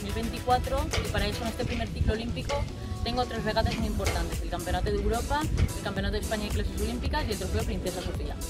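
A woman races along at a very fast pace with hardly any pauses. Loud music plays behind her, and the sound is dry, with no echo. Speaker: competitive sailor. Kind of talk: scripted pitch to camera. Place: waterside.

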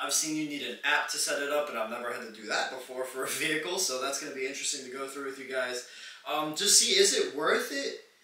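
Very rapid male speech in a room with audible echo. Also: ordinary pitch variation. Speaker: product reviewer. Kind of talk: casual vlog chat. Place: home room. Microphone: camera far.

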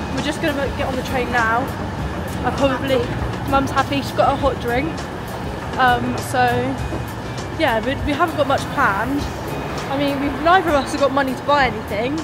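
A woman at a fairly quick pace with ordinary pitch variation, over background music. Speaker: vlogger. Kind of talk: casual vlog chat. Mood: cheerful, laughing. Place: station. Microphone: phone near.

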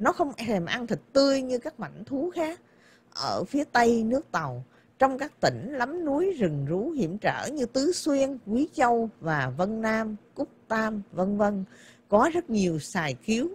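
Very slow, somewhat breathy speech from a woman, fairly high in pitch with very wide pitch swings. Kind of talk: audiobook narration, literary prose read aloud. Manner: even, measured storyteller's pace, formal and literary.

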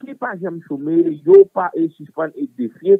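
Very wide pitch swings from a fairly high-pitched man, moderately paced. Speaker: radio news reporter. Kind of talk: news report and commentary.

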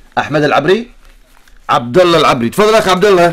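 A man speaks with an Omani accent. His intonation is lively. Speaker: radio host. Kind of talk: live radio talk show. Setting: studio. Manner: animated. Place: studio.

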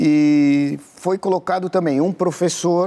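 Here a man speaks at a very slow pace. His tone is dark and mellow. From Brazil, Cotia (São Paulo state); São Paulo state, Brazil. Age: 50s. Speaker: mayoral candidate; candidate. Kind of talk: political interview. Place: studio. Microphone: lapel.

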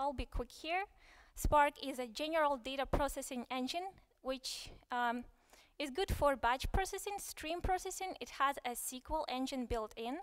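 Against a quiet background, a woman talks at a moderate pace and a high pitch. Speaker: conference presenter. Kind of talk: technical talk. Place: hall. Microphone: podium.

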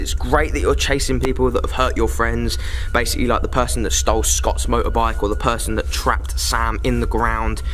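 A man speaks very fast as music plays in the background. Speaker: video creator. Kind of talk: casual vlog chat. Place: open country. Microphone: phone near.

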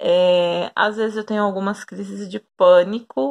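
Against a quiet background, a woman uses a normal speaking voice at a medium pitch and a fairly slow pace. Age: 30s. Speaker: YouTuber. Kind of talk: casual vlog chat. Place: home room. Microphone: phone near.

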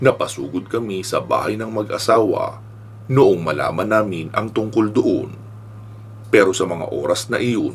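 Over noticeable background noise, a man speaks in a dramatic tone at a fairly slow pace. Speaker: narrator reading a listener's letter. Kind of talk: true-crime horror narration. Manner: grim, hushed, dramatic storytelling that builds dread.

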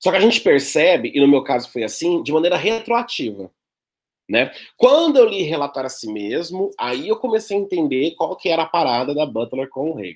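Against a quiet background, a man with a fairly high pitch speaks at a moderate pace in an animated tone, with very wide pitch swings and vocal fry. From Brazil, Ribeirão Preto (São Paulo state); São Paulo state, Brazil. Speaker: university lecturer. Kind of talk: online lecture. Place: home room. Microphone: webcam.

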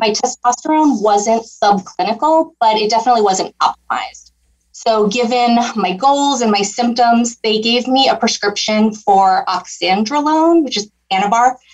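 A woman with a fairly high pitch talks at a moderate pace with ordinary pitch variation against a quiet background. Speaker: caller, social worker; caller. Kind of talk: casual chat. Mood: earnest, personal. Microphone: video call.

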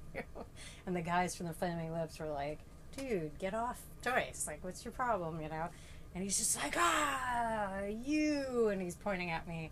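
Light background noise can be heard. A woman speaks at a fairly slow pace. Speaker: interview guest. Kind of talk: interview answer. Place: car.

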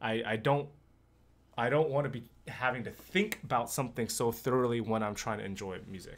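It is a plain, everyday voice. The pace is fairly quick, with ordinary pitch variation. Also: man, medium pitch for a man. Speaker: podcast co-host. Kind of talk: casual chat.

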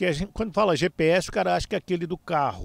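At a fairly quick pace, a man speaks in a high pitch with ordinary pitch variation, on a very clean recording with a silent background. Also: dry, close sound with no echo. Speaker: football channel host. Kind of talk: casual interview. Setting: outdoors at training ground.

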